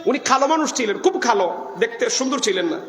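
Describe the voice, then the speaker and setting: A man's voice: animated, brisk. A man from Bangladesh with a Sylheti Bengali accent preaching a waz sermon to an open-air gathering, telling stories with passion and breaking into chant. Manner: impassioned storytelling, voice rising high on quotes. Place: open-air religious gathering, speaker seated above crowd. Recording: echoey loudspeaker sound with long reverb.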